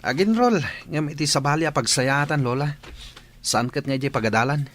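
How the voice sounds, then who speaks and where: An actor playing a restless, stubborn young grandson in an Ilocano radio drama. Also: male voice, fairly high pitch, moderate pace, slight background noise, lightly acted. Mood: stubborn, dismissive.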